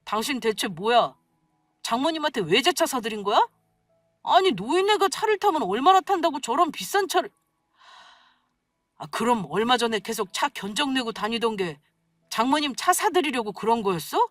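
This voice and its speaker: A woman voices an irritated husband in a storybook radio tale. He complains in shrill, indignant outbursts, his voice leaping up and down. The sound is dry and close. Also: lively intonation, normal speed, long pauses, fairly bright tone, dry recording, distant mic. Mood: angry.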